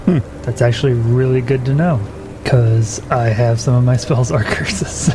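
A man's voice: medium pitch, unhurried, background noise. A man chatting casually as a player in a tabletop roleplaying game. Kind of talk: casual chat during play.

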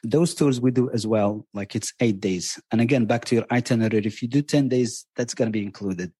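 A man's voice: mid-range voice, a little fast, warm tone, husky, no echo, studio quality. A man from Morocco with a Moroccan accent, chatting as a guest in an enthusiastic, storytelling way and often repeating words. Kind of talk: casual podcast chat.

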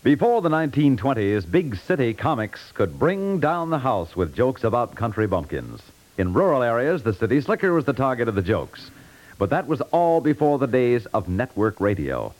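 Animated 1950s radio announcer man. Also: mid-range voice, normal speed, rough recording. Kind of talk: scripted 1950s radio narration.

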